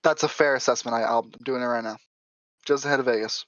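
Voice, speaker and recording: A man's voice: medium pitch, fairly even intonation, fast talker, fairly bright tone, no room sound, muffled recording. A man co-hosting a podcast, chatting casually in an easygoing way and laughing often. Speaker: podcast co-host. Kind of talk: casual chat.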